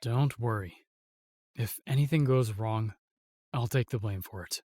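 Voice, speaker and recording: Protective royal guard for fantasy audio drama, male actor: earnest, measured, medium pitch, dry studio sound. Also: mellow, no echo, natural voice. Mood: calm, resolute. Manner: formal, measured, reassuring.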